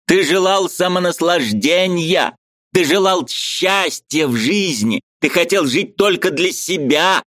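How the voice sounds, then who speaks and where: Fiery ranting friend, high and heated, Ukrainian-tinged speech, put on by a male narrator. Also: lively intonation, takes it slowly, fairly bright tone, no room sound, studio quality, heavily acted. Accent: Little Russian (Ukrainian) inflection. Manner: hammering, exclaiming, high and heated. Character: fiery preachy male friend, loud zealot.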